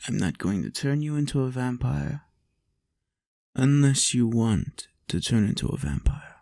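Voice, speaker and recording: A lonely vampire lord, acted by a man speaks in an intimate, soothing monologue. His pace is very unhurried and his tone coaxing and playful, recorded close and dry. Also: medium pitch, sing-song, gravelly, mellow, no room sound. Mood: reassuring, playful. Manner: soothing, unhurried, lapses into whispers and chuckles. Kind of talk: intimate roleplay monologue to the listener.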